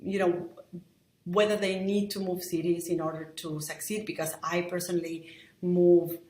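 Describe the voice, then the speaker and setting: Woman podcast host from Argentina, lower voice, thinking aloud, echoey room. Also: little pitch movement, moderate pace, mellow. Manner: reflective, many restarts and "right?" tags. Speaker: podcast host, lettering artist. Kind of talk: solo podcast monologue.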